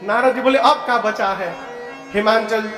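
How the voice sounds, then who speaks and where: A man with an Eastern Uttar Pradesh accent preaching a devotional sermon, telling the story, questioning the audience and chanting verses slowly. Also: high-pitched. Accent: Eastern Uttar Pradesh (Purvanchal). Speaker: kathavachak preacher. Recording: echoey hall with faint music.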